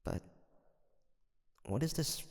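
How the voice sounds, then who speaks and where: A man playing a guarded young demon hunter in an intimate audio roleplay, hesitant and confiding, with a softer side showing through. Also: slow, dry recording, lightly acted. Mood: hushed, conflicted.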